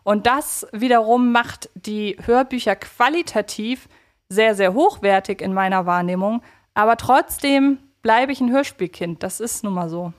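Female podcast co-host, slightly high voice, casual and chatty, thinks aloud. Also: measured pace. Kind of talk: casual fan podcast chat.

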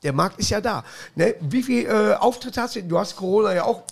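A middle-aged man hosting a podcast, chatting in a rambling way and laughing loudly at his own jokes. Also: high voice, animated, brisk, creaky. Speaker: podcast host. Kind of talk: casual chat.

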